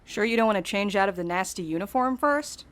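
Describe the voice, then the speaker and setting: A woman's voice: medium pitch, expressive, brisk, close to an everyday voice. A woman playing a practical, caring friend in an audio drama, speaking naturally in a direct, matter-of-fact way. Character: practical, blunt, caring female rescuer and friend.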